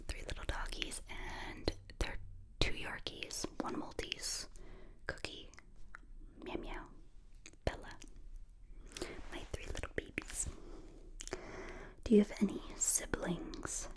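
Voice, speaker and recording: A woman in her twenties from the United States, whispering ear to ear as she answers viewer questions in a relaxed, chatty way. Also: takes it slowly, pauses often. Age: 20s. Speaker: ASMR creator. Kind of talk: whispered ASMR Q&A. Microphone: close binaural mic.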